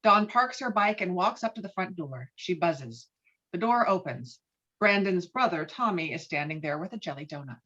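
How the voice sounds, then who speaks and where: A woman's voice: fairly low pitch, lively intonation, moderate pace, a bit bright. A woman reading stage directions as scripted narration, heard through muffled call audio.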